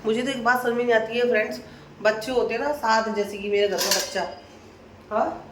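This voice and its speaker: A woman's voice: fairly high pitch, fairly even intonation, fairly quick, background noise. A woman chatting casually to her viewers in a daily vlog, sounding stuffy from a heavy cold with a runny nose. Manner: chatty, talks straight to her viewers as friends. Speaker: vlogger.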